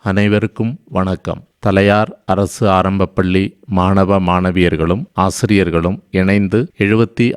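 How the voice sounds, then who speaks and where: A man with a lowish, smooth, clear voice gives a formal, measured address. He sounds close to the mic, with a dry, untreated sound. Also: no echo.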